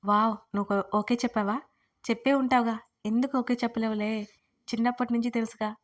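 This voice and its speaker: A woman's voice: on the high side, steady tone, natural voice. A woman voicing a bold, chatty young woman gossiping with friends in a storybook reading. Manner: brisk, teasing.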